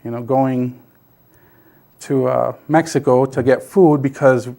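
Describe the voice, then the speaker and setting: A man's voice: mid-range voice, steady tone, takes it slowly, creaky, warm tone. A middle-aged man from South Texas whose first language is Basque, telling his family story as an interview guest, with many fillers and restarts. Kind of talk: casual storytelling.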